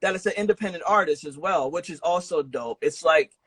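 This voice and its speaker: A man's voice: fairly high pitch, fairly quick, fairly bright tone, husky, dry recording. A man hosting a podcast interview in a casual, slangy, informal way. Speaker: podcast host interviewing a guest. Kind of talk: casual chat.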